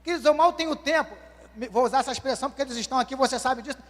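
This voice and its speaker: A man's voice: very high voice, rapid-fire, a bit bright. A man, preaching a sermon and questioning the congregation as "dear ones". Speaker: pastor. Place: church hall. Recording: long church hall reverb.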